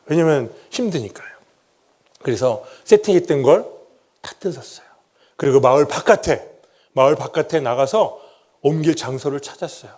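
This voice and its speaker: A middle-aged pastor tells a personal testimony from the pulpit. He keeps turning to the congregation with rhetorical questions and acts out his own past words, his voice at an ordinary middle pitch for a man. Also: a little mellow.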